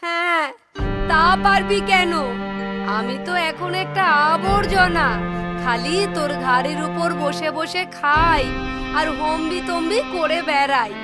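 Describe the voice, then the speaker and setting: High-pitched, plaintive cartoon village woman. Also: takes it slowly. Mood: indignant, hurt. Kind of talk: Bengali children's cartoon voice acting. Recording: loud music behind the voice.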